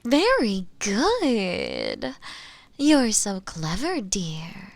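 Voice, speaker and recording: A woman's voice: medium pitch, wildly swooping pitch, drawn-out words, gravelly, dry recording, exaggerated voice. A woman voicing a sly, seductive witch captor in a roleplay audio drama, teasing and condescendingly sweet, often slipping into whispers. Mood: soothing, coaxing. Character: sly, seductive female witch captor, possessive and self-assured.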